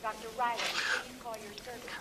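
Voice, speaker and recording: An actress voicing a calm female hospital page operator, heard over a PA loudspeaker from a distance. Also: on the high side. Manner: calm, measured paging announcements. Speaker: hospital paging announcer. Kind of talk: 1970s TV drama acting. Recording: distant PA loudspeaker with loud noise.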